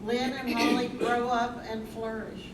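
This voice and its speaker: A woman playing a measured storytelling narrator in a staged reading of a play. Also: a little high, flat delivery, recorded from a distance, a loud crowd, close to an everyday voice. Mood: narrating. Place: live staged reading in a room. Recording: very noisy, echoey room from afar.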